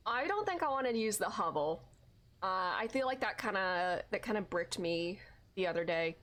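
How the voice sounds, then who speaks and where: A woman's voice: mid-range voice, moderate pace. Congested young woman streamer, chatty. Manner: chatty, many filler likes, excited outbursts at finds. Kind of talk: casual gameplay chat with viewers.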